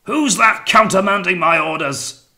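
A man's voice: low voice, moderate pace, bright, forceful tone. A man voicing a raging, paranoid, tyrannical sea captain in an audiobook, barking imperiously and with menace. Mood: enraged. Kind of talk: dramatised audiobook character.

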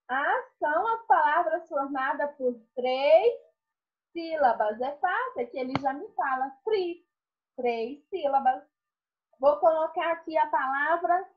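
A primary school teacher reviewing a lesson for her pupils in an online class, slowly asking questions and then answering them herself. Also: sits high, lo-fi sound.

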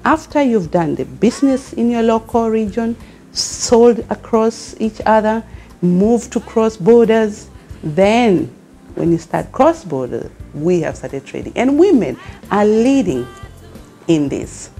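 Addressing the camera directly from a furnished indoor studio lounge with a fireplace, the Kenyan founder and CEO of a women's network poses rousing questions in an earnest tone. This middle-aged woman with a Kenyan accent speaks slowly, her voice on the high side, mellow and lively in intonation. Faint music plays behind her.

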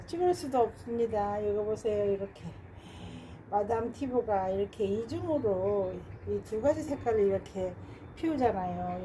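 A woman strolls through her balcony garden, naming each geranium slowly and sighing over how pretty they are. Her voice sits a little high but sounds mellow, and she talks at a very unhurried pace. A faint hiss of background noise runs under the phone recording. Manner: slow, fond, repeats flower names and sighs of delight. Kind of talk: casual garden tour narration. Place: home balcony with plants.

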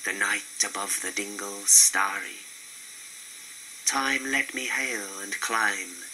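Sharp-edged man reciting poetry slowly. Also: on the low side, rough recording. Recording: faint hiss and background noise.

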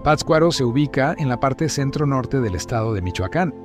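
A man's voice: mid-range voice, expressive, moderate pace, music in the background. A man reading scripted narration in a formal, informative way.

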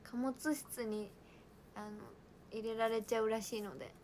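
A woman's voice: a little high, little pitch movement, normal speed, darkish tone, slight background noise. A young woman chatting casually on a livestream, bubbly and giggly, reading out viewer comments. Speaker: idol livestream host.

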